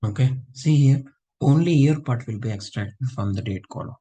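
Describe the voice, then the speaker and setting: A man teaching a live online software class over a video call, unwell and talking low, often checking that students understand. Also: moderate pace, slightly rough. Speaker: software trainer.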